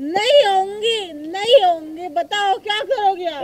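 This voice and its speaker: A woman talks at a very slow pace with lively intonation and an extremely high pitch. Light background noise can be heard. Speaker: comedy skit actor. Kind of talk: scripted comedic dialogue. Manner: tipsy, taunting drunken challenge. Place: waterside.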